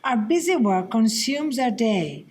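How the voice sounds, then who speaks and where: A woman's voice: on the high side, very animated, a little slow, a little mellow. Female reader, upper register, manifesto delivery with slight ambient noise. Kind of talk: motivational manifesto reading. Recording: faint background ambience.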